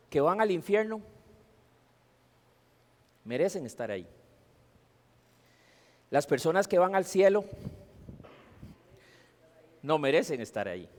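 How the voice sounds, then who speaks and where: A man preaching a sermon in a church, asking the congregation emphatic rhetorical questions. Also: a little high. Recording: long hall reverb.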